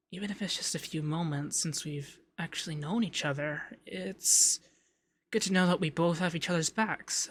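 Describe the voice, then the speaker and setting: Guy doing a flustered coy femboy for asmr, really bright voice, stammers a lot, soft breathy bits. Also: on the high side, slight background noise. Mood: gentle, hesitant. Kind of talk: intimate ASMR roleplay.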